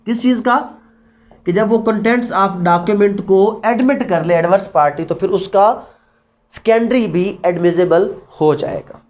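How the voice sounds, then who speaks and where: A man with a Pakistani accent giving an explanatory lecture in a didactic way, posing questions and answering them himself. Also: high voice. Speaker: law lecturer. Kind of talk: explanatory lecture on evidence law, mixing Urdu and English.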